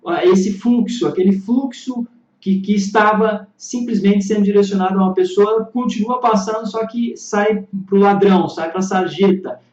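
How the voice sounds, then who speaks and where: Man, high-ish voice, reflective vlog monologue, pauses and restarts to find words; muffled roomy recording. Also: a little mellow. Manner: thoughtful, searching for words, frequent restarts. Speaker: psychotherapist vlogger. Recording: roomy, dull lo-fi sound.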